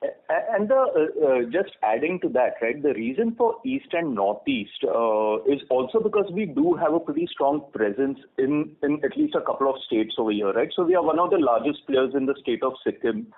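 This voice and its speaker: A man's voice: on the high side, sing-song, normal speed, hardly any pauses. A man with an Indian accent answering questions as an executive on an earnings call, explaining things and often tagging phrases with "right?". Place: conference call. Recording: narrow-band phone conference line.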